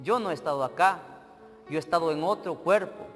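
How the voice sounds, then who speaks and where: A preacher putting on a hateful demon that taunts slowly and then bursts into furious shouting. The voice sits high for a man and rings through a church hall with a long reverb, over faint music. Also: close to an everyday voice. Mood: sneering. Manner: sneering, slow and taunting, bursting into angry shouts. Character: mocking, hateful male demon.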